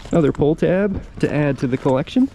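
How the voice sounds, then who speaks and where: A man with an expressive, dark-toned voice on the high side speaks a little fast while hosting a metal detecting vlog outdoors in a park. He's laid-back and slangy, musing aloud as he searches. The park's ambient noise comes through clearly.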